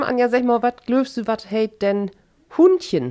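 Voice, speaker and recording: The speaker is a woman with a northern Lower Saxony accent. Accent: northern Lower Saxon Low German. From Lüneburg Heath, Lower Saxony. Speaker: radio host. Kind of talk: casual interview in Low German.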